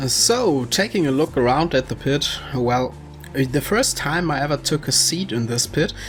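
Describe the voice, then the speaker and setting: With a German accent, the speaker talks at a moderate pace while music plays in the background. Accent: German accent, non-native English. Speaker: flight sim video creator. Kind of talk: scripted narration; tutorial.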